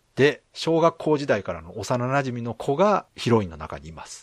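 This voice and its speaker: Recorded very cleanly against a silent background, a man speaks at a moderate pace with vocal fry, the sound dry and close with no echo. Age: middle-aged. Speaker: podcast co-host. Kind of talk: casual chat.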